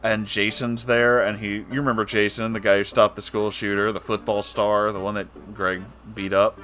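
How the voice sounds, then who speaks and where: A man's voice: fairly low pitch, flat delivery, moderate pace, a bit bright, faint music behind. A man giving casual, sweary commentary on a book as host, sarcastic and emphatic in his delivery. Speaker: host of a book reading series.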